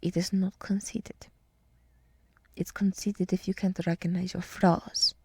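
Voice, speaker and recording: A woman playing a gentle, earnest deer woman in an ASMR roleplay, speaking in a soft, breathy, mostly whispered voice with an encouraging, rambling manner. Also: on the low side, little pitch movement, a little slow, dry recording.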